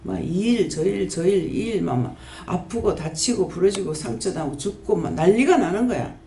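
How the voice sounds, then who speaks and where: A woman pastor, preaching a sermon and scolding with rapid-fire rhetorical questions. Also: lowish voice, animated, gravelly, mellow. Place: prayer house church. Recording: echoey church hall, faint background noise.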